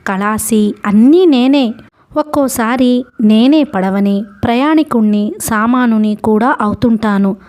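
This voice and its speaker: A woman's voice: fairly high pitch, a little mellow, lightly acted. A woman voicing a boastful, talkative male ferry watchman in a storybook reading, rambling and exclaiming.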